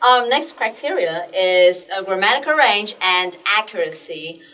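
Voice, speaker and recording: Music plays in the background as the voice moves at a fairly slow pace with very wide pitch swings. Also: woman. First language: Vietnamese. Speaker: show host and IELTS test taker. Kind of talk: casual discussion.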